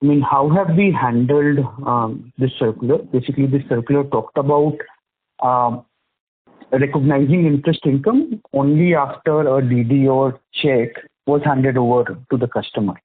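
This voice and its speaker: A man's voice: moderate pace, husky. An Indian-accented man asking questions as an analyst on an earnings call, phrasing them in a hesitant, roundabout way. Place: telephone conference call. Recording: muffled, low-fi conference phone line.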